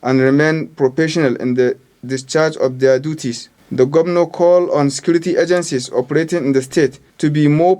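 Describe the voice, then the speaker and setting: A man's voice: fairly high pitch, darkish tone. A Nigerian man delivering a scripted television news report in a formal manner.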